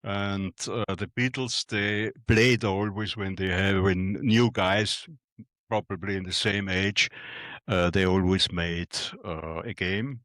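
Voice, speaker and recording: Older Austrian man, deep-voiced, slow and halting; dry close sound. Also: fairly even intonation, a bit bright, no room sound. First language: German. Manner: hesitant, halting with many fillers. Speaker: guest photographer. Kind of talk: speech to an audience.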